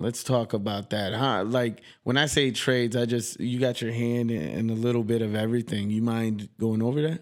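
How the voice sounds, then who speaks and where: An unremarkable speaking voice keeps a moderate pace and fairly even intonation, with hardly any pauses. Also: man, medium pitch for a man. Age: 30s. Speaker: podcast host. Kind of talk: casual interview.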